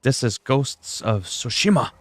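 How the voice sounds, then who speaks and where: With a mid-range voice, lively intonation and a measured pace, a French-first Canadian man rambles casually on a livestream, with no room sound. He's salty and self-deprecating and swears without restraint.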